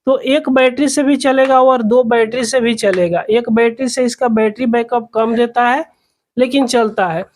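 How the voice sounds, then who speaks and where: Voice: mid-range voice, moderate pace. A person explaining a repair step by step in an instructional, repetitive way, as the host of a tutorial.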